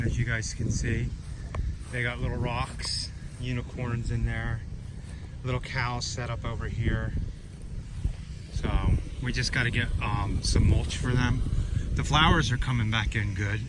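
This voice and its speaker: Folksy man vlogging outdoors, noisy background. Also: medium pitch. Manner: folksy, informal grammar. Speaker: vlogger showing his vegetable garden. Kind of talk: casual outdoor vlog chat. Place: outdoors in a breezy backyard garden. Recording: noisy outdoor recording, breezy ambience.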